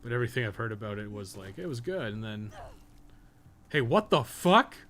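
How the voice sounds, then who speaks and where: A male streamer talks casually while he plays, in an average-pitched voice. He rambles bluntly and swears freely, with faint noise behind him. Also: lively intonation, normal speed, fairly bright tone. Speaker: game streamer and podcast host. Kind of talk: casual live game stream chat.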